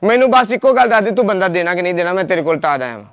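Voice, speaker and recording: A man's voice: sits high, expressive, rapid-fire. A man in a heated face-to-face argument with a relative, insisting again and again that the other man listen to him.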